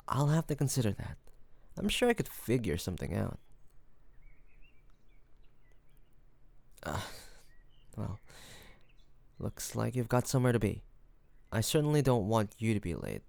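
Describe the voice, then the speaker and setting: Gravelly, charming mafia boss, played by a man. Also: fairly low pitch, unhurried, pauses often, dry recording, full character voice. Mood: flirty, teasing. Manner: relaxed, playful storytelling with frequent soft chuckles. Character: charming, hospitable male mafia boss, family-minded and teasing. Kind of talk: intimate scripted audio roleplay, spoken to one listener.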